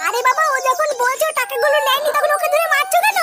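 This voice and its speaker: A woman's voice: very high voice, quick pace, very noisy. A woman voicing a nagging but protective village housewife in a comic cartoon dub, scolding and exclamatory.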